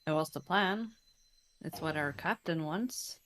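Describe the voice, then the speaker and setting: A woman playing a guarded male space pirate crewman who answers in short, flat replies. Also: low-pitched, measured pace, slight background noise. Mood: dry.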